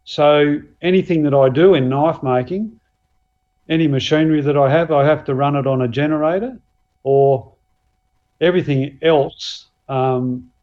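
An Australian man, a guest axe and knife maker, talking casually and modestly with many pauses and fillers. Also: mid-range voice, mellow, highs cut off. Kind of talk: casual podcast chat.

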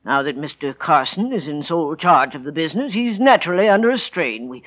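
A timid office clerk with a cold killer inside, high voice, swooping wide, dull old-time radio sound. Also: male voice, animated, brisk. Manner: timid and hesitant, then quietly menacing. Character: meek middle-aged office clerk turned cold killer. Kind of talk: 1940s radio acting.

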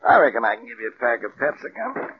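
An actor playing a folksy, easygoing factory superintendent in 1940s radio style. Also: male voice, mid-range voice, big pitch swings, fast talker, lightly acted. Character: folksy middle-aged male factory superintendent. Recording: dull old radio broadcast, faint hiss.

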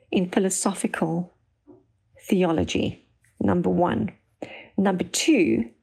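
A woman's voice: lowish voice, creaky, a little mellow, breathy edge, poor audio. A woman giving a faith testimony, firmly laying out her advice point by point. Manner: firm, instructive, lists points. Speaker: church member giving a testimony.

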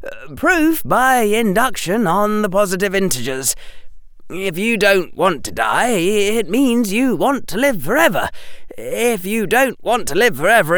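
A reader voicing a precocious boy wizard who explains things in an earnest, eager, lecturing way, pitched high. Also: a bit bright, no echo, clean studio sound. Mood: eager, arguing.

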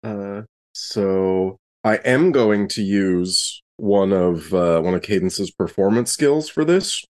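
Lowish-voiced man improvising at a game. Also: lively intonation, slow, darkish tone. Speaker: player in a tabletop role-playing game. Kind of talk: casual improvised game narration and banter.

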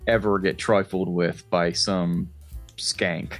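A man's voice: low voice, level tone, slow pace, faint music behind. A middle-aged man co-hosting a comedy podcast, teasing and joking in casual chat. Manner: teasing, joking, laughs often. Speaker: podcast co-host.

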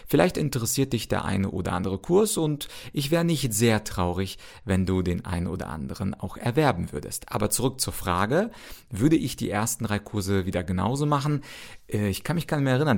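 Low, gravelly-voiced male podcast host. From Ukraine. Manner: articulate, conversational, self-assured. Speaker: podcast host and rhetoric trainer. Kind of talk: answering listener questions in a podcast.

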